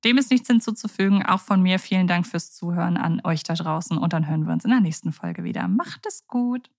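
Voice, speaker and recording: A woman's voice: fairly low pitch, fairly quick, a little mellow. A woman co-hosting a podcast, chatting casually and thinking aloud with fillers. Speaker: podcast co-host.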